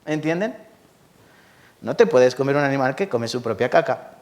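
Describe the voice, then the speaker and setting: At a normal speed and medium pitch, this Spanish-accented pastor from Spain preaches an energetic Sunday sermon in church. Words get repeated for emphasis, and he often turns to the congregation with questions.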